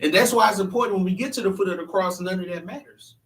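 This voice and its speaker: A man's voice: high voice, quick pace, a bit bright. A man hosting a church panel discussion, talking earnestly and emphatically, often restarting his sentences. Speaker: panel host. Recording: echoey room, mic at a distance.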